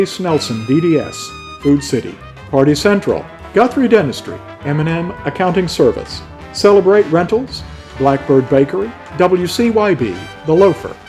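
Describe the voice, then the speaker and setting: High-voiced male radio announcer. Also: darkish tone. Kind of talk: old-time radio announcing.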